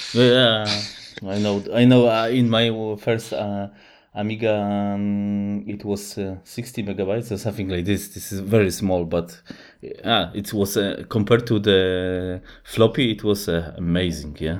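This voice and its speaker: Talking at a fairly slow pace in a Polish accent, a man with a fairly low pitch keeps his intonation fairly even. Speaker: podcast host. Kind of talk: casual interview. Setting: remote call. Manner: halting.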